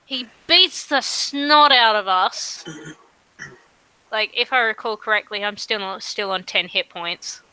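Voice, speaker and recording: A woman as an aggrieved, bright-voiced teen student. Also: medium pitch, clear, resonant tone, no echo, pitched below the performer's own voice, poor audio. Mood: indignant. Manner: complaining, earnest, halting. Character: aggrieved teenage adventuring-school student pleading with a parent.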